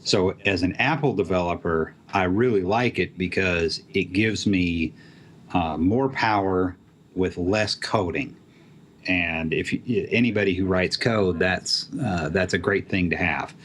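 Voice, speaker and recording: A man's voice: deep voice, a little slow, fairly bright tone, a little hiss or hum. A man who develops apps talking casually about programming, with many fillers and restarts. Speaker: app developer guest. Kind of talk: casual tech chat.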